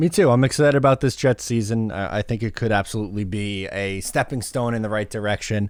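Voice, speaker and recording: With a Long Island accent and a fairly low pitch, a man talks at a very fast pace with hardly any pauses. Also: ordinary pitch variation. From Long Island, New York. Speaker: sports podcaster. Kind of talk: podcast answering voicemails.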